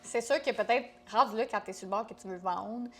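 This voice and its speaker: A woman with a Québécois accent hosting a casual interview, chatty and quick to react and laugh. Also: a little high. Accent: Québécois French. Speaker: podcast host.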